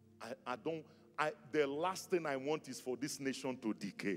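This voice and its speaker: Faint music plays behind a man who talks at a moderate pace and a medium pitch. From Nigeria. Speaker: pastor. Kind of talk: sermon. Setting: church. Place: church. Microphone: handheld.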